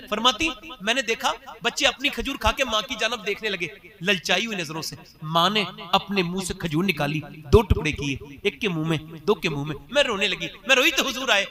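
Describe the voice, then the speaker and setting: A man preaching an emotional storytelling sermon, acting out the voices of the people in his stories and calling out loud pious exclamations. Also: sits high. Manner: acts out quoted speakers in dialogue; swells loudly on pious exclamations. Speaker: Muslim preacher.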